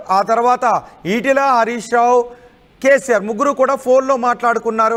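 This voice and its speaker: A woman anchoring live news, presenting developments and putting questions to a reporter. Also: fairly high pitch.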